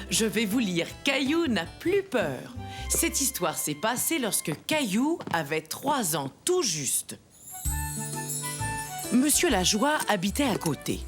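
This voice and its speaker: A woman playing a kindly grandmother who narrates bedtime stories in a children's cartoon with expressive, unhurried telling. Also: on the low side. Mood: inviting.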